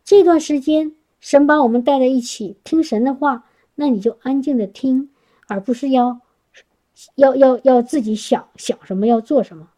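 A woman's voice: sits high, moderate pace, warm tone. A woman speaking to a congregation, sharing a personal testimony in an earnest, chatty way with frequent restarts. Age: adult working professional.

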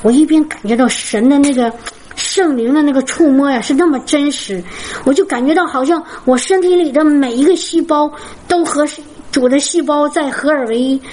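Woman with a high pitch, fervent church testimony, repetitive and halting. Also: darkish tone, a little hiss or hum, low-quality recording. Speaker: Christian testimony speaker. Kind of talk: emotional personal testimony to a congregation.

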